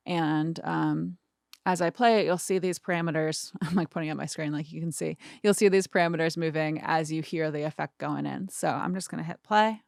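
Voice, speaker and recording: A woman's voice: low voice, gravelly, no echo, studio quality. A woman in her thirties hosting a music production tutorial, chatting informally and casually with some self-deprecation. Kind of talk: casual screen-recorded tutorial.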